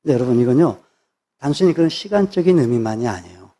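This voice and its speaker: A man's voice: medium pitch, lively intonation, quick pace, mellow. A man, a pastor, preaching a sermon with emphatic repetition of phrases. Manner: emphatic, repeats phrases for stress.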